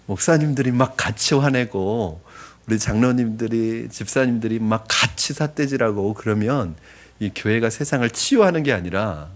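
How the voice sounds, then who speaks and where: A man preaching a conversational sermon as pastor, often asking the congregation questions. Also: mid-range voice. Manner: acts out polite apologies in a softened voice.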